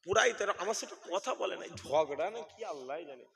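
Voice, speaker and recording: A man's voice: high-pitched, expressive, normal speed, creaky, in a large hall. A man preaching a fiery sermon under a tent, calling out questions to the crowd. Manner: calls out to the audience, asks questions and shouts. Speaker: preacher at a religious gathering. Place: tented outdoor gathering.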